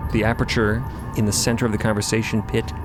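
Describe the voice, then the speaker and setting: A man's voice: lowish voice, little pitch movement, quick pace. A man narrating a fiction podcast in a theatrical, emphatic storytelling style with casual asides. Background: music under the narration.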